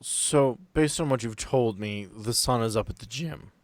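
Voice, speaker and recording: A stubborn, God-fearing middle-aged landowner played by a man speaks formally and deliberately. His voice is close and dry, calmly unyielding, as in a tabletop roleplaying story. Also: medium pitch, no echo, natural voice. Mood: pious, stern.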